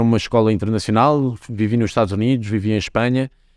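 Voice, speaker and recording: A man with a European Portuguese accent, medium-pitched, with ordinary pitch variation and a fairly quick pace, on a very clean recording over a silent background. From Portugal. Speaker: streaming industry executive. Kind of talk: podcast interview.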